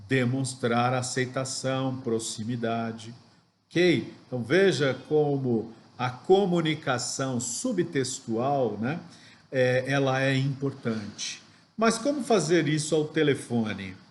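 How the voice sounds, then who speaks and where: A man's voice: medium pitch, animated, takes it slowly. A man teaching a sales training lesson, explaining step by step and checking in with rhetorical questions. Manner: didactic, asks rhetorical questions, frequent "ok?" and "né?".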